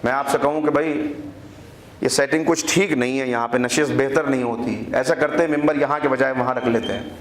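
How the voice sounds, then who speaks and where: Man preaching in an echoey hall. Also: slight background noise. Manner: rhetorical questions, swings between loud high emphasis and low hush. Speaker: religious speaker. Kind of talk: sermon. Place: prayer hall at a lectern. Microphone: microphone on the lectern. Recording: roomy hall with faint ambience.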